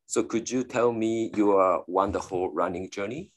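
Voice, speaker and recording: A man hosting an interview, asking questions hesitantly with many fillers and quiet "mm-hmm"s. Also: on the low side, measured pace. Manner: hesitant, frequent backchannel "mm-hmm". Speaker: interview host.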